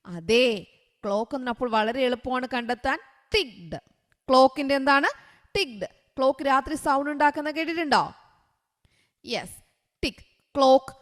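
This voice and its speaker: A woman's voice: high voice, long reverb tail. A woman tutor with a Kerala Malayali accent revising for an exam with children, asking questions, answering them herself and spelling English words letter by letter. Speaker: online tutor.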